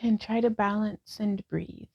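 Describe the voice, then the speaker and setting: A woman in her thirties leading a guided yoga session as a vlogger, cueing each pose calmly and gently. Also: medium pitch, unhurried, gravelly. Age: 30s. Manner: calm, gentle cueing with breath prompts. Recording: slightly dull lo-fi sound.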